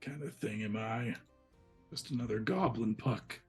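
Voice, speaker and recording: Man voicing a wary, guarded goblin, husky. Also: lowish voice, a little slow, darkish tone, soft background music, pitched below the performer's own voice, heavily acted. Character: wary, defensive male goblin with glowing eyes. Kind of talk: tabletop role-play character voice.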